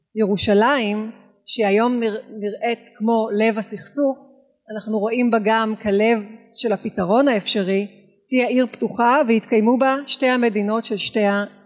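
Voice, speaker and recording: Against a quiet background, a woman speaks at a fairly slow pace with very even loudness and fairly even intonation. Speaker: movement activist. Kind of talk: speech. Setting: stage with audience. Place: hall. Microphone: handheld.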